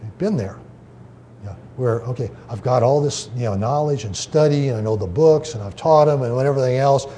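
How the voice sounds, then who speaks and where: A preacher man with a mellow, darker voice teaches scripture in a relaxed, chatty way. He restarts his sentences often and pauses to read out quotations. A faint low rumble sits under the recording. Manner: conversational, many fillers and restarts, reads quotations aloud. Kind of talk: informal Bible teaching.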